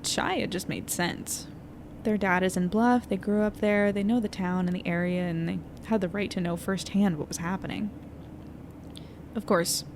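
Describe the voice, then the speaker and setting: A woman playing an anxious, weary young newspaper editor in an audio drama, confiding and hesitant as she thinks out loud. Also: mid-range voice, vocal fry, lightly acted. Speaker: lead narrator of an audio fiction podcast. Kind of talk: intimate naturalistic audio drama monologue. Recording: noisy airplane cabin ambience.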